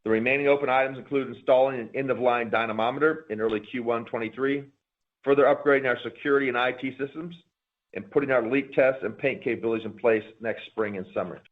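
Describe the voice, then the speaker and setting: A man reading a prepared corporate presentation in a formal, measured way, as a company executive on an earnings call. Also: mid-range voice, fairly even intonation. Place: conference call. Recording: narrow, phone-like conference call line.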